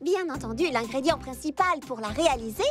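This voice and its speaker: A very high-voiced, sweet young cartoon girl. She presents eagerly and politely, with hugely animated swoops in pitch, over clear background music. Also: brisk. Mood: cheerful presenting. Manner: polite, apologetic, bubbly presenter delivery. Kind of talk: French cartoon dub acting.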